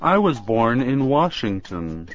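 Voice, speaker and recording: A man repeating lesson phrases with slow, careful enunciation. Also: mid-range voice, very animated. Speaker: drill speaker in language lesson. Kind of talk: slow repetition drill. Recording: dull recording with faint music.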